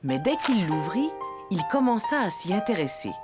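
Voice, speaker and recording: A woman narrating a children's cartoon story in a gentle storytelling manner. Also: medium pitch, sing-song, moderate pace, lightly acted. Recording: music behind the voice.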